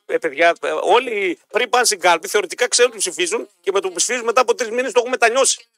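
Bright high-voiced Greek man, dry close mic. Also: dry recording. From Greece. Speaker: co-host reading listener messages. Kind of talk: casual radio-style chat.

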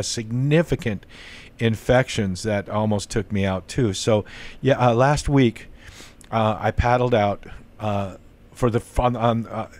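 A man's voice: lowish voice, a little mellow. An older man in his sixties hosting an interview podcast from a home study, talking earnestly and restarting his sentences often. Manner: earnest, halting with frequent restarts. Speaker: host. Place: home study lined with bookshelves. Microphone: studio mic on boom arm, headphones.

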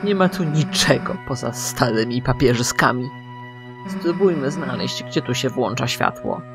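A woman's voice: a bass voice, expressive, a little slow, over music, heavily acted. A woman voicing a surly teenage monster girl from a video game, sarcastic, taunting and impatient. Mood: uneasy bravado. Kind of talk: dramatized video game dialogue reading.

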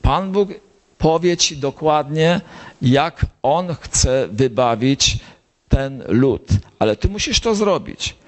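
A priest giving a sermon to a gathering, slowly telling the story and rising to high, emphatic lines. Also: male voice, animated. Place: gathering of bible circles.

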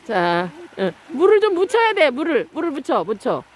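A woman giving excited, casual live commentary from behind a camera outdoors. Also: sits high, moderate pace. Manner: excited cheering and exclaiming. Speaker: camera operator and narrator. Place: outdoors beside a snowy stream. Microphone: behind the handheld camera. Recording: noisy outdoor phone camera recording.

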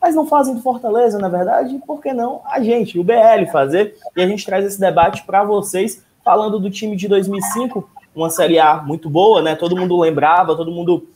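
A man with a clearly high voice hosts a casual live sports show. He talks from a room at home over a video call on an earphone mic. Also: brisk, hardly any pauses, a little mellow, a little hiss or hum. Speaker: host. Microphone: wired earphone mic on video call.

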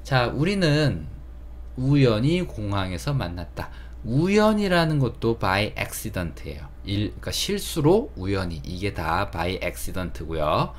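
A man teaching English phrases, patiently repeating each one slowly. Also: lowish voice, very animated, a little hiss or hum. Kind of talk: explaining English phrases to Korean learners.

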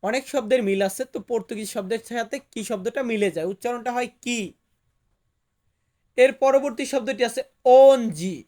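A man teaching vocabulary in a slow lesson, repeating each word and its meaning. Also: extremely high pitch, mellow. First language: Bengali. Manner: slow, repetitive, explains each word twice. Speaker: language teacher.

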